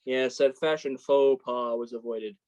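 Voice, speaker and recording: A man's voice: medium pitch, steady tone, measured pace, a little mellow, lightly acted, low-quality recording. A man playing a sensitive, embarrassed college freshman in a play reading, guarded and dryly self-deprecating. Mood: fond, amused. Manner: self-deprecating, dry sarcasm. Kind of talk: staged reading of a play, naturalistic dialogue.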